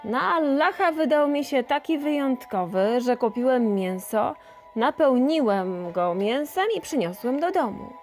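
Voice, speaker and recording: A woman voicing a proud husband in a storybook tale, speaking slowly and emphatically. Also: sits high, expressive, darkish tone, soft background music. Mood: pleased. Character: proud man, a poor husband pleased with his find.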